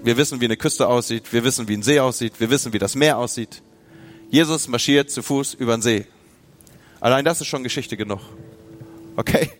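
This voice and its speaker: A man's voice: medium pitch, fairly quick, faint music behind. A man preaching a sermon, from northern Germany, talking straight to his listeners and acting out their inner voices. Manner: lively, speaks to the listener directly, acts out inner voices. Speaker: pastor.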